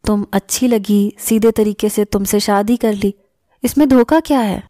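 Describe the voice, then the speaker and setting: A cocky young mechanic husband with a mocking edge, read by a woman narrator. The voice sits dark and mellow, recorded dry and close with no room sound, in the manner of a scripted audio story. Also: medium pitch, no echo, close to an everyday voice. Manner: mocking, laughing tone at times.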